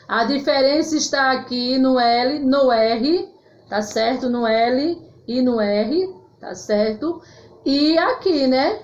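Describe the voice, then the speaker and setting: A woman teacher giving a grammar lesson to children in Brazilian Portuguese, spelling out words carefully and checking in with "tá certo?", calling her pupils "my loves.". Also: high voice. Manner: slow, clearly spelled-out words with frequent "tá certo?" check-ins; affectionate, calls pupils "meus amores". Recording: echoey room, slightly dull sound.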